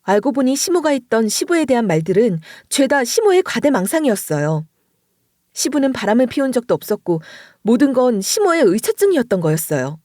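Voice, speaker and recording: Woman narrating a dramatic story, very expressive. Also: a little high, dry recording, studio quality. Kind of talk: dramatized first-person story reading.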